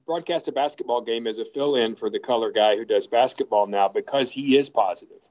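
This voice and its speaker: A man who broadcasts sports, telling stories in a casual podcast chat with animated, quick bursts. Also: mid-range voice, highs cut off.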